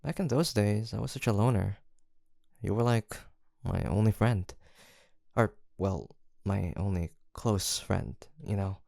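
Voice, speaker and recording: Low, creaky young best friend, acted by a man. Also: measured pace, dry recording, studio quality. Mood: tender, nostalgic. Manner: casual, playful, murmured hesitations and soft laughs. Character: male college-aged best friend, teasing, softly affectionate. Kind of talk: intimate audio roleplay acting.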